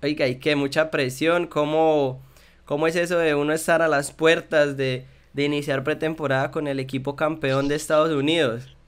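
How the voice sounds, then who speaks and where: Chatty Colombian host, clear voice. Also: male voice, on the high side, fairly even intonation, normal speed. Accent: Colombian Spanish. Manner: chatty, repeats words as he searches for them. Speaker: interviewer. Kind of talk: casual video-call interview. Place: small room at home. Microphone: headset.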